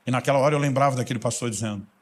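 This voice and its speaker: A man's voice: mid-range voice, racing. A man with a Brazilian Portuguese accent, preaching a sermon as a pastor and telling stories fervently.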